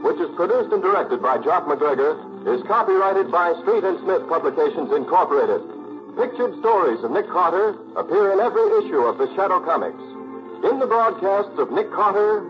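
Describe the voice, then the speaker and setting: A man reading a script as a formal, emphatic 1940s radio announcer. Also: high-pitched. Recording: dull 1940s radio recording.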